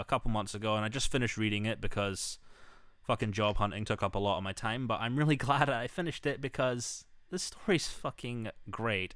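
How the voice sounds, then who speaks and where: A man's voice: on the low side, fairly bright tone, smooth, dry recording, clean studio sound. A man from Scotland hosting a podcast interview, loose and sweary, with a self-mocking streak. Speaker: podcast host. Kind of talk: casual interview chat.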